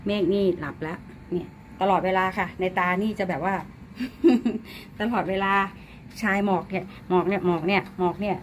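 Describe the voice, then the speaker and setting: A woman's voice: medium pitch, darkish tone, a little hiss or hum. A woman at home filming her pets on a phone, chatting casually and talking to the animals in a cooing, baby-talk way. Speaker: pet-owner vlogger.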